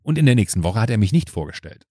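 Animated man telling a story. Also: lowish voice, fast, no echo, clean studio sound. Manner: animated, acts out quoted dialogue, frequent fillers. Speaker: podcast host. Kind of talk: casual storytelling.

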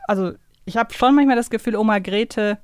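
A woman's voice: medium pitch, fairly quick, a little mellow, smooth, no room sound. A woman talking casually and analytically as a podcast co-host, explaining in loose, chained sentences. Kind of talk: casual conversational fan podcast talk.

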